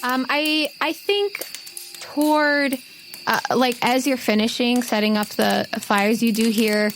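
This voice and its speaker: A woman's voice: on the high side, takes it slowly, slight background noise. A woman acting as game master, narrating a tabletop role-playing game in a casual, conversational, improvised way.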